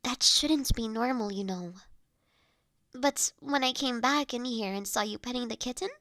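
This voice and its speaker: A woman playing a gentle, affectionate young mistress in an intimate roleplay audio, speaking softly, reassuringly and a little hesitantly to her automaton companion, sometimes breathily. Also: on the high side, moderate pace, dry recording, studio quality, natural voice. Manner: tender, reassuring, hesitant, drifting into breathy whispers.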